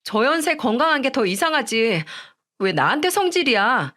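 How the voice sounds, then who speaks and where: A woman's voice: high-pitched, sing-song, moderate pace, bright, forceful tone, pitched above the performer's own voice, exaggerated voice. A woman doing a whiny selfish daughter-in-law. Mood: defiant. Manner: whiny, pleading and defiant. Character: selfish defiant young wife, daughter-in-law.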